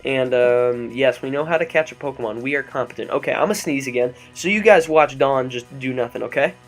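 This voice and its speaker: A man's voice: medium pitch, brisk. A young man hosting a let's play, chatting and joking over the game with lots of ums, into a desk microphone. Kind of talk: gameplay commentary. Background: faint background music.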